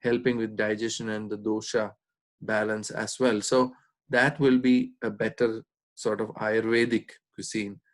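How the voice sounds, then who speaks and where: A man with a fairly low voice gives an informal lesson. He explains things in a measured way, often pausing to search for the next word, like a doctor talking through common questions. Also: level tone. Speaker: Ayurvedic doctor giving a diet talk.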